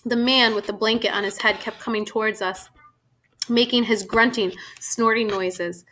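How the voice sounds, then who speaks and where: A woman narrates a young-reader novel in the first person, with a steady, vivid delivery. Her voice is bright and forceful, and pitched slightly high for a woman. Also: normal speed, slight background noise. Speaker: audiobook narrator.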